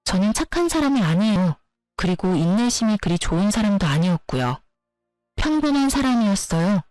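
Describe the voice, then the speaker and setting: A woman's voice: mid-range voice, big pitch swings, fairly quick, darkish tone, dry recording, poor audio. A woman narrating her own story in the first person, frank and indignant. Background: faint music.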